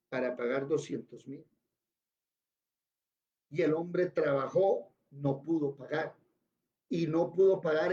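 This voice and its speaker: A man's voice: fairly high pitch, mellow, dull audio. Colombian man teaching through a story. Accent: Colombian Spanish. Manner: conversational, checks in with listeners often. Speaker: Bible teacher.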